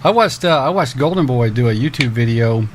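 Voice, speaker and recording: A man in his fifties co-hosting a casual podcast, animated and quick to laugh. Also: medium pitch, a little hiss or hum. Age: 50s. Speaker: podcast co-host.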